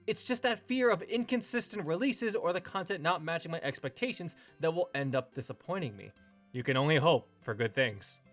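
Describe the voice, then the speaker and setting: Animated man narrating with lively pitch swings. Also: brisk, faint music behind. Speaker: video essay host. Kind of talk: scripted opinion narration.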